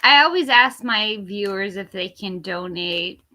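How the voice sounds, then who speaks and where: A woman reading tarot cards on a casual livestream, a little tipsy and slow-paced, drawing out her words. Her voice is bright and forward, and she rambles through halting fillers and easy laughter. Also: medium pitch, lively intonation. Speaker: tarot reader and livestream host.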